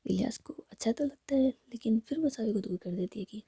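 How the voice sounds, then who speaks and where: A woman's voice: a little high, fairly quick, warm tone, slightly rough, no echo, studio quality. A young woman whispering a chatty retelling of a romance drama, mixing in English words. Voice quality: whispering throughout. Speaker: storyteller.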